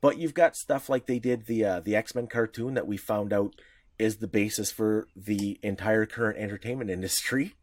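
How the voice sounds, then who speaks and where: A man's voice: lowish voice, normal speed, no room sound, studio quality. A man co-hosting a podcast in casual chat, talking loosely with restarts and the odd swear word. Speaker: podcast co-host.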